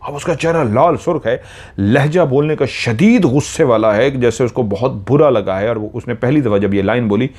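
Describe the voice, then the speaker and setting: A man's voice: mid-range voice, moderate pace, a little mellow. A man retells a horror story dramatically, correcting himself as he goes.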